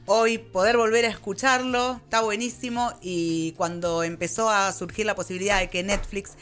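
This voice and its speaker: A woman's voice: mid-range voice, fairly even intonation, normal speed, fairly bright tone, faint music behind. An Argentine woman hosting a live radio show, talking in an informal, chatty way. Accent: Argentine Spanish. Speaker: radio host. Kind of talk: casual live radio chat. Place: radio studio.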